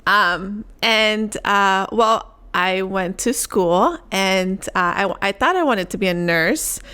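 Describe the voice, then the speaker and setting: A woman's voice: mid-range voice, slow, bright, forceful tone, smooth. A young woman from Puerto Rico chatting casually as co-host, rambling and laughing as she tells her story. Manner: rambling, laughs often, restarts thoughts. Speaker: podcast co-host. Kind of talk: casual chat.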